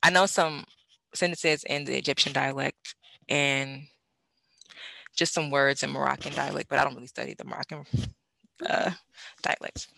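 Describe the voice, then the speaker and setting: A young woman talking about learning languages in a casual conversation, animated, with many fillers and frequent laughs. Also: very deep voice, normal speed, vocal fry, pauses often.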